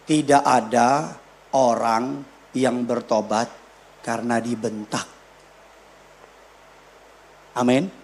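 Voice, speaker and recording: A male pastor preaching a sermon in a church, repeating his points with emphasis and swinging between loud punches and quiet asides. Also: medium pitch, steady tone, takes it slowly, pauses often. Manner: emphatic, repeats key lines for the congregation.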